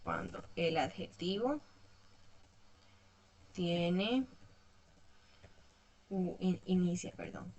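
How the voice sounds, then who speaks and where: A woman's voice: lowish voice, expressive, drawn-out words, pauses often, a little mellow, dull audio. A woman teaching an online English lesson, explaining patiently step by step and checking in often with her students.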